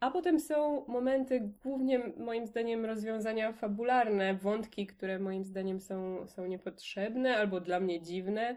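At a fairly slow pace, the voice carries a dark, mellow tone and ordinary pitch variation. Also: woman, fairly high pitch for a woman, hardly any pauses. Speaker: book podcast co-host. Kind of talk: casual chat.

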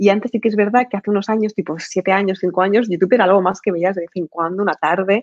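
A woman's medium-pitched voice at a very fast pace, fairly even in intonation, with a dry, close sound and no echo. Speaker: youtuber. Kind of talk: interview. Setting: livestream. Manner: stutters when speaking off-topic.

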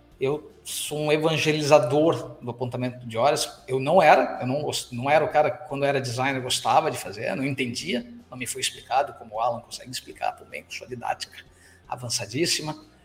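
With music in the background, a man speaks at a fairly quick pace in a fairly high voice, using ordinary pitch variation while his loudness swings widely. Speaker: podcast co-host on digital marketing management. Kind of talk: casual chat.

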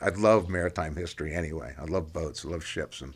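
A man with a very deep, low pitch, vocal fry, ordinary pitch variation, a fairly quick pace and an American accent. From US, New York and California. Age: 60s. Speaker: writer and Vietnam veteran. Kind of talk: interview. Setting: at home. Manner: halting, repeating words.

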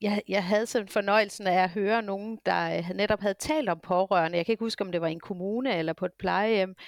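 A woman with an ordinary speaking voice talks at a fairly quick pace with hardly any pauses, at a medium pitch with ordinary pitch variation, in a dry, close sound with no echo. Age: 50s. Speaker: nurse and nursing lecturer, researcher. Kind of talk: interview about research.

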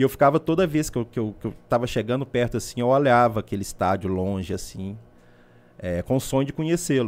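A man with a normal speaking voice and a medium pitch talks at a fairly quick pace with lively intonation. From interior of Minas Gerais, Brazil. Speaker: journalist and press officer. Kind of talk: interview on a podcast.

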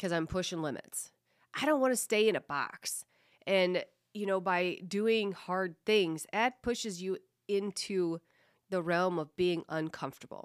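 With an animated, passionate tone, a woman speaks at a fairly slow pace and medium pitch with ordinary pitch variation, in a dry, close sound with no echo. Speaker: podcast host. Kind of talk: solo casual podcast monologue. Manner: animated, chatty, passionate; talks a lot, casual.

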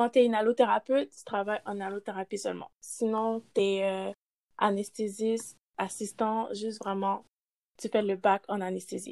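A woman's plain, everyday voice, fairly high in pitch, at a moderate pace with fairly even intonation and big swings in loudness, in a very clean recording with a silent background and a dry, close sound with no echo. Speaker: respiratory therapist. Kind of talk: interview.

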